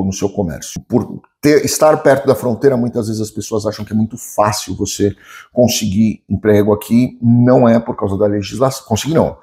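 A mellow, fairly low voice belongs to this lawyer and business commentator, a man in his forties with a Brazilian accent. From an indoor home office or study with bookshelves, he offers opinionated, conversational commentary to camera, explaining things informally and repeating himself for emphasis.

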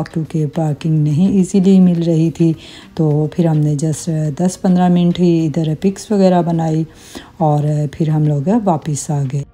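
A middle-aged woman narrating her family travel vlog as a calm voice-over, with religious greetings and small hesitations. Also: deep voice. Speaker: vlogger.

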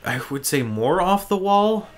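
A man's voice: sits high, animated, measured pace. A man hosting a gaming show, giving casual gameplay commentary in an informal, enthusiastic fan's manner.

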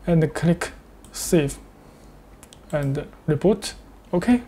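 Mellow, man giving a tutorial. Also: high voice, slight background noise. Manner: step-by-step, halting non-native English phrasing. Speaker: product demonstrator. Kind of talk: screen-share tutorial with live demonstration.

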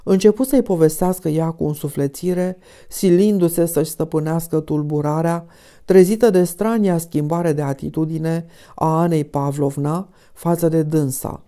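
A woman with a low, mellow voice narrates a classic novel. Her reading is calm and even, with the soft warmth of a dark timbre. It is a steady audiobook voice. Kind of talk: scripted narration.

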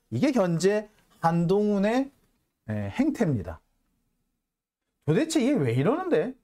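A man's voice: high-pitched, darkish tone. A man hosting a political commentary show, delivering an angry, sarcastic monologue full of curses and sighs. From South Korea. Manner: heated, cursing, sarcastic, sighing.

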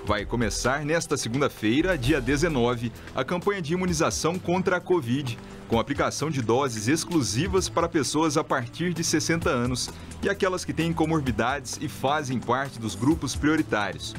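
Man from brazil, radio news presenter, fairly high voice, steady announcer reading, music bed behind. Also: moderate pace, few pauses.

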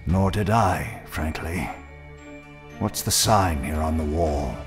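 A man playing a formal, guarded manor attendant in an audio drama, speaking in a measured, dryly understated way. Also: a bass voice, music in the background, full character voice.

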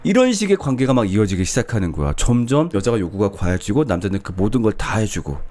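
A man's voice: lowish voice, quick pace, mellow. A man explaining Christian ideas through casual stories, asking himself questions and acting out the dialogue. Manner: informal, asks rhetorical questions, acts out dialogue.

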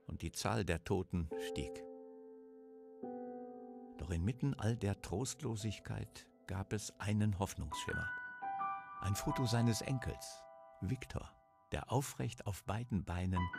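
A man reading the narration of a war adventure game in a calm, measured storytelling voice. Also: lowish voice. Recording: game audio with clear music behind.

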